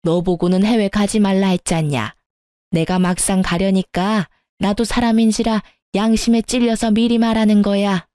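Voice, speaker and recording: A domineering older mother-in-law, voiced by a woman storyteller, who orders people about and scoffs at refusals. Her voice is mellow and rounded, recorded dry and close with no room sound. It is radio-story telling, not a fully transformed character voice. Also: medium pitch, steady tone, moderate pace, no room sound, lightly acted. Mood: coaxing, bossy. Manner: bossy, condescending. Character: pushy older mother-in-law, demanding and scornful.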